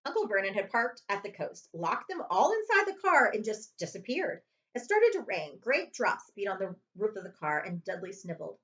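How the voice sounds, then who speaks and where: Animated woman reading a children's book, dull recording. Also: medium pitch, normal speed. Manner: expressive storytelling with character voices. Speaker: librarian reading aloud. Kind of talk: children's chapter book read-aloud.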